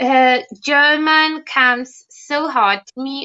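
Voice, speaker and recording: The speaker has a Polish accent and ordinary pitch variation. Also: woman. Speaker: art live streamer. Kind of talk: casual chat. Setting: live stream. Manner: halting.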